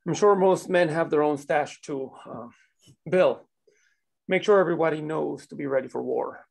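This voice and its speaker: A man's voice: on the high side, normal speed, vocal fry, voice pushed up. A man reading the part of a wary man among strike planners at a table read. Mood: tense.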